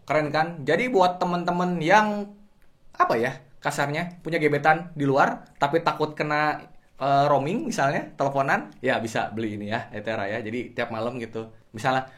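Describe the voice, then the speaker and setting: A man with a colloquial Jakarta Indonesian accent, giving casual explanations as a guest commentator in a slangy, joking, expressive way. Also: a little high, normal speed. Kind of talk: casual chat, explanatory opinion.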